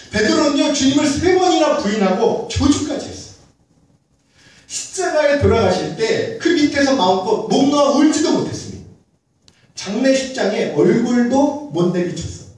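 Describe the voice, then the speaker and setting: A man's voice: very high-pitched, a little mellow. A male pastor preaching a sermon in a church sanctuary, talking to the congregation conversationally and asking them questions. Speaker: senior pastor. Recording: very echoey church, mic far off.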